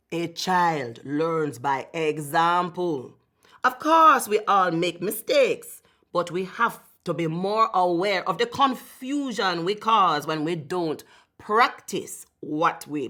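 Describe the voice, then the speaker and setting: A woman performs an elderly storybook grandmother. She speaks slowly and low, with measured wisdom, stern but kindly. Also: animated, a bit bright. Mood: admonishing. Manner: measured, admonishing, reassuring.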